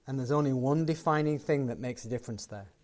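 A man's voice: mid-range voice, fast, darkish tone. A man giving a closing sermon and prayer to a live gathering, conversational and building to emphatic points. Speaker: guest preacher.

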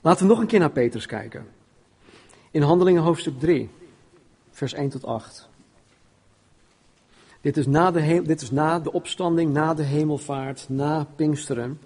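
A man's voice: on the high side, moderate pace, long pauses, darkish tone, slightly rough. A man preaching an informal sermon and reading Bible passages aloud, often stumbling and repeating words as he talks.

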